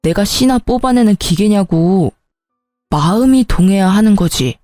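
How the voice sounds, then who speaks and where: A woman's voice: medium pitch, animated, measured pace, mellow, no room sound, clean studio sound, faint music behind, close to an everyday voice. A woman narrating a story, voicing a married man who grumbles and makes excuses. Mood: defensive. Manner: whiny, defensive, grumbling. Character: irritable hungover married man.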